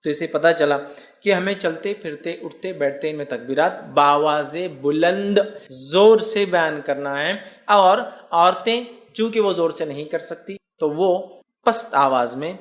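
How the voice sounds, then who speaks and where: A man giving a language religious talk as a preacher, explaining step by step and reciting Arabic phrases slowly. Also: on the high side. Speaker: Islamic preacher. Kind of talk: sermon.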